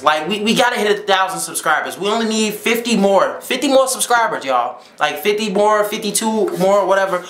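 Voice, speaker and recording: A young man hosting a reaction video, talking in an excitable way and often exclaiming or shouting in disbelief. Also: high voice. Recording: echoey room.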